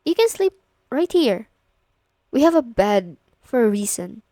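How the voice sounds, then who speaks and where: Casting: actress as a friend's bossy older sister, young, teasing and coy, unhurried delivery, close dry sound for ASMR roleplay. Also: female voice, a little high, a little mellow, no echo. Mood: surprised, teasing. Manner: casual, teasing, coy, lightly exasperated. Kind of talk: intimate ASMR audio roleplay.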